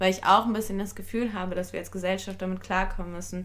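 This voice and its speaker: A woman speaks at a medium pitch with vocal fry. Audible room echo surrounds her voice. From Germany, Turkish family. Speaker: podcast co-host. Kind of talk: casual chat.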